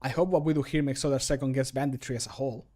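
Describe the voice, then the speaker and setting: A man's voice: medium pitch, fairly even intonation, rapid-fire, dark tone, lightly acted. Man voicing a subdued, melancholic game adventurer. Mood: melancholic, hopeful. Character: melancholic male adventurer, empathetic, in a fantasy game mod. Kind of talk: amateur game voice acting.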